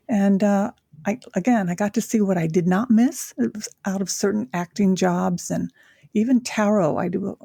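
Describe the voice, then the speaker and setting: Older woman guest from Japan, husky low voice, unhurried and reflective with many pauses, dry sound. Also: warm tone, dry recording. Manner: reflective, with frequent pauses and fillers. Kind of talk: casual interview chat.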